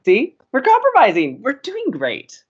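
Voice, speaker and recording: A woman's voice: sits high, wildly swooping pitch, unhurried, husky, dull audio, heavily acted. A young woman acting as a breezy, romantic and theatrical college radio co-host in an audio comedy. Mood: playful, mock-romantic. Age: young adult. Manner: playful, dramatic.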